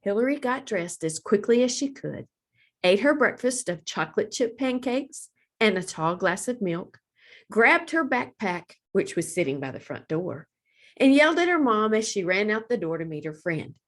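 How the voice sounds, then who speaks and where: At storytime, a female librarian host shares a children's picture book by reading it aloud, her medium-pitched voice deliberate and expressive as she tells the story.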